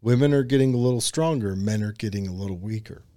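A man's voice: fairly low pitch, quick pace, mellow. A man with an Appalachian hillbilly accent chatting casually as a talk show co-host, folksy, rambling and self-deprecating. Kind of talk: casual chat, reading out listener comments.

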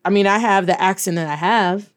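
A woman from Detroit with a Black Midwestern accent, telling a story in a chatty, animated way while teaching Spanish. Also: medium pitch, brisk, clear, resonant tone. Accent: Black Midwestern American. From Detroit, Michigan. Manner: chatty, animated, addresses listeners as y'all. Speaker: Spanish teacher and podcast host. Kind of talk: casual storytelling lesson mixing English and Spanish.

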